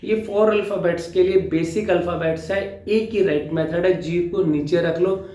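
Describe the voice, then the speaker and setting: Man, high voice, calm speech coach demonstrating sounds, echoey room. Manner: slow, demonstrative, repeats sounds for practice. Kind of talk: pronunciation lesson.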